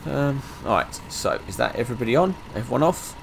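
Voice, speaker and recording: A man with a croaky voice from being ill, casually commenting as he plays a driving game, rambling with lots of fillers. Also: mid-range voice, expressive, fairly quick, slight background noise. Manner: rambling, many fillers, chatty asides. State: croaky from illness. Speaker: gaming channel host. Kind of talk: casual let's-play commentary.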